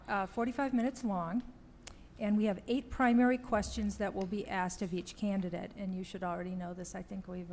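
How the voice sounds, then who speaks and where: A woman chairing a township meeting, explaining the procedure haltingly with many ums. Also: mid-range voice, a little mellow, a little hiss or hum. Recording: long hall reverb with faint ambience.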